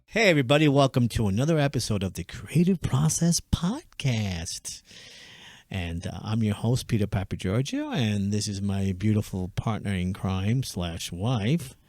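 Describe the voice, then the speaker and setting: A man's voice: fairly low pitch, sing-song, moderate pace, a little mellow, dry recording, faint music behind. A man hosting a podcast, chatting casually and asking rambling questions with lots of fillers. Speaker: podcast host. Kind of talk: casual interview chat.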